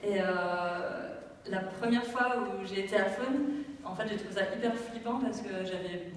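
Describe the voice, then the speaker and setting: A woman's voice: medium pitch, unhurried, a little hiss or hum. Performance artist in her thirties, playful and reflective, recorded live at a distance. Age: 30s. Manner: thoughtful, playful, loosely improvised. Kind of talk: spoken commentary in a live stage performance. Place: arts venue, live performance. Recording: echoey live hall from far off.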